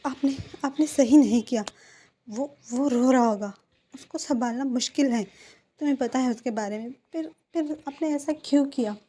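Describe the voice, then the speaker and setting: Reading a fan fiction story, a woman with a high, warm voice at normal speed plays a desperate young man pleading with his parents. He stammers and repeats himself as he begs.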